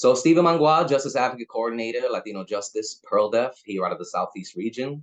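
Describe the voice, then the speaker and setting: Speaking at a very fast pace, a man runs on with hardly any pauses. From Bronx, New York City, Puerto Rican family. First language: Spanish. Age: 50s. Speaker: justice advocate, former prisoner. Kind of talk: panel presentation, personal testimony. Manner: halting, many fillers.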